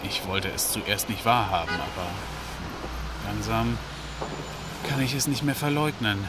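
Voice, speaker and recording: Low-voiced, troubled everyman played by a male actor. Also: lively intonation, measured pace, over loud music. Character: weary, troubled man confiding in his neighbour. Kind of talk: German audio drama acting.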